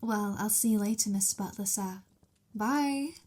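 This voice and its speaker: A woman's voice: medium pitch, moderate pace, darkish tone, lightly acted. A woman playing a childish, playful, young-looking vampire mistress of a house in an ASMR roleplay, eager and immature in manner.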